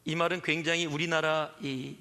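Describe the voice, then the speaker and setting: A pastor in his forties delivers a sermon in a church sanctuary. His voice sits high and sounds sharply bright. He brings stories to life by acting out the people he quotes, and the long hall reverb trails after his words. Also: little pitch movement, moderate pace. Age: 40s.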